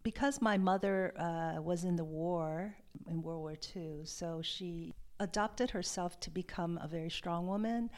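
Soft-spoken reflective woman guest. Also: lowish voice, a little slow, few pauses. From Hawaii. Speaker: interview guest, love and sexuality coach. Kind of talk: podcast interview.

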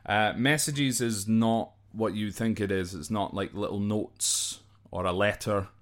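A man's voice: fairly low pitch, fairly even intonation, unhurried. A Scottish man informally explaining slang from a list, off the cuff and hesitantly, sometimes spelling words out. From Scotland. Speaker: podcast host.

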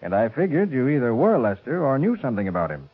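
An actor with an American accent playing a quick-thinking, decisive private detective in 1940s radio drama style, on a muffled vintage recording. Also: male voice, medium pitch, very animated, slightly rough. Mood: calm, explaining. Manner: brisk, decisive.

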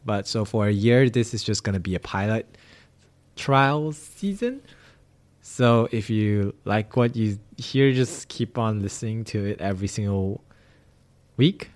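A man's voice: fairly low pitch, lively intonation, a little slow, no echo. A young man from Malaysia hosting a casual podcast, rambling with lots of fillers. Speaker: podcast host. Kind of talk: casual chat.

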